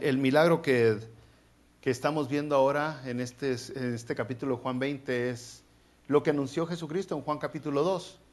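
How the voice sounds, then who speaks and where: A man preaching a sermon as pastor, animated, with playful asides and mock voices. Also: medium pitch.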